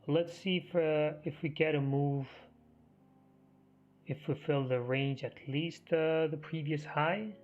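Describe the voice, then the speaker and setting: A man hosting a live trading stream, half losing his voice, talking through the market in a halting, think-aloud way. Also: on the high side, steady tone. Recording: muffled stream audio with faint music.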